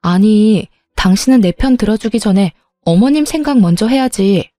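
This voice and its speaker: A woman narrating a dramatized story in a calm, steady manner and voicing herself in it. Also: mid-range voice, normal speed, no room sound, clean studio sound, soft background music.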